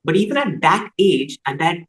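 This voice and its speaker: A young trans woman raised in Dubai tells her personal story as a TV interview guest, speaking reflectively with frequent pauses and restarts. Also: fairly low pitch, sing-song, echoey room. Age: young adult. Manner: reflective, thoughtful, often pauses and restarts, many "like" and "you know". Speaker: guest, trans writer and content creator.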